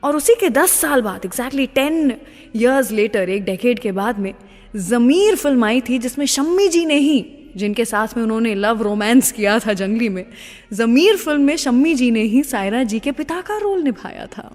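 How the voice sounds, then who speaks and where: A woman's voice: a little high, lively intonation, normal speed, a little mellow, soft background music. A woman with an Indian accent presenting a radio show, chatting and telling stories in a gushing manner and slipping in English phrases. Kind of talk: chatty radio presenting with film-star anecdotes. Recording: long reverb on the voice.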